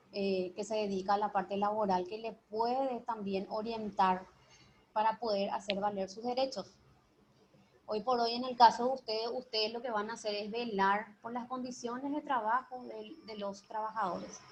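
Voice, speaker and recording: A woman's fairly high, fairly even voice proceeds at a moderate rate, a normal speaking voice. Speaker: teacher. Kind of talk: lecture.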